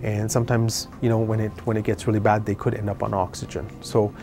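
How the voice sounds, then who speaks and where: Low-voiced middle-aged man, halting explanations. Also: little pitch movement, creaky, a little mellow, soft background music. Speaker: respiratory educator. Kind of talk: interview explanation. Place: indoor clinic or pharmacy. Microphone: lapel.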